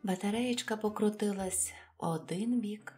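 A woman's voice: mid-range voice, measured pace, mellow. A woman storyteller reading a scripted children's fairy tale expressively, with music behind her.

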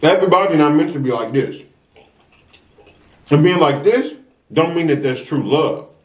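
A man's voice: a little high, expressive, normal speed. A young American man talking casually to camera as a mukbang vlogger, giving emphatic, preachy advice with repeated phrases. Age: young adult. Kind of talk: casual advice talk to camera while eating. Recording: roomy echo.

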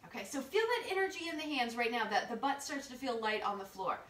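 Talking fast with big pitch swings, this yoga instructor has a fairly high, fairly bright voice. She leads a guided class at home with playful, informal, encouraging cues, step by step, and a far-off camera mic in the living room gives a roomy sound.

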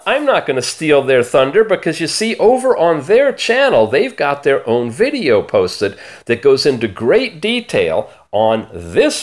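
A man hosting an upbeat gadget news video, talking theatrically and drawing out key words for emphasis. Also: on the high side. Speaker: host of a smartwatch review channel. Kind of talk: upbeat product-news presentation to camera.

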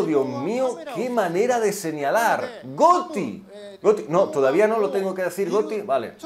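A young man giving sarcastic reaction commentary, mocking everything with exaggerated mock delight. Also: fairly high pitch. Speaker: youtuber reacting to a game demo.

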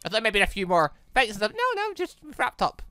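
Bright, rambling gaming host. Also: male voice, high voice, huge pitch swings, a little fast, clean tone, no room sound. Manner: rambling and enthusiastic, many fillers. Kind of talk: casual let's-play wrap-up talk.

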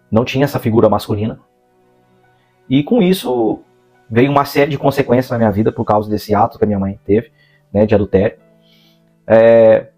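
A man's voice: fairly low pitch, warm tone. Earnest Brazilian man in his thirties. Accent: Brazilian Portuguese, São Paulo interior. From Brazil, interior of São Paulo state. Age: 30s. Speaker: missionary giving a testimony. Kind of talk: religious testimony to camera. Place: indoor room, seated in a gaming chair. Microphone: clip-on lapel mic.

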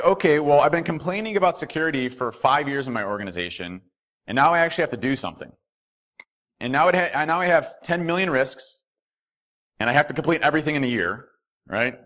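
Man, keynote speaker, rapid delivery, average pitch, podium mic, hotel ballroom. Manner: fast, animated, frequent fillers and restarts. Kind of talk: conference keynote talk.

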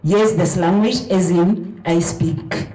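A woman's voice: on the low side, fairly even intonation, takes it slowly, mellow. Earnest South African woman speaking in a hall. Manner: earnest, emphatic, repeats words for stress. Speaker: conference speaker. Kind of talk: conference talk. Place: large vaulted hall with stage and projector. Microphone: handheld mic at a lectern, room recording. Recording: echoey hall.

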